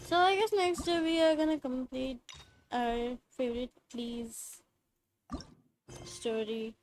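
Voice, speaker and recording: A young woman with a South Asian accent and a fairly high voice. She is a native Bengali speaker chatting casually to viewers of a game livestream. There is faint noise in the background. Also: steady tone, takes it slowly, darkish tone.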